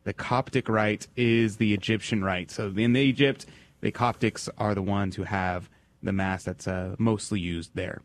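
A man's voice: fairly low pitch, fairly even intonation, measured pace, no room sound. A man hosting a call-in radio quiz, teasing and upbeat. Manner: teasing, playful quizmaster. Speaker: radio host.

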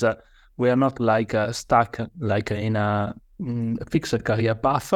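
A man's voice: medium pitch, dry recording, studio quality. A man from Italy with an Italian accent, speaking English as a guest on a podcast interview, hesitant with many fillers and restarts. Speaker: guest author.

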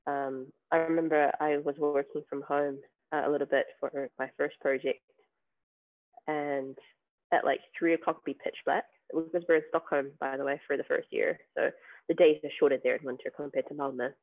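A man's voice: a little high, level tone, moderate pace. A man, a podcast guest talking casually and hesitantly, with many ums and restarts. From New Zealand. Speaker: podcast guest, software tester. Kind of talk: casual interview chat. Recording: tinny phone-like remote call.

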